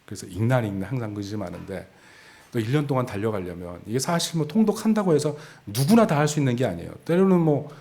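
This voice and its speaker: A man's voice: mid-range voice, animated, quick pace, dark tone. A male pastor preaching a sermon, telling his own story and acting out the voices of people in it with a self-mocking laugh. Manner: storytelling, acts out quoted voices, laughs at himself. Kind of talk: sermon with personal testimony.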